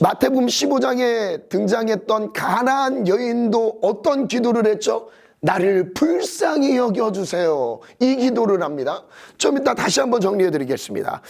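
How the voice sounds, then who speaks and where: Male pastor, sermon delivery; high, lively pitch, gravelly texture. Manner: animated preaching with scripture reading, pitch swinging high and low.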